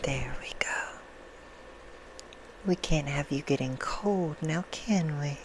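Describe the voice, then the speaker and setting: A woman voicing a seductive, courtly vampire hostess for ASMR, soothing and sinister, in a slow, hushed half-whisper. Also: low-pitched. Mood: soothing, inviting. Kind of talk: ASMR roleplay, bedtime storytelling. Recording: clear background noise.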